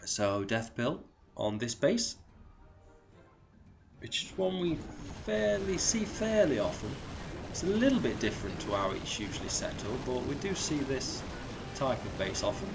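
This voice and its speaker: Man, croaky, sniffly, cold, low voice, relaxed replay commentary, noisy recording. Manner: relaxed, chatty, calls out percentages. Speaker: clan leader commentating war replays. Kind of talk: casual gameplay commentary.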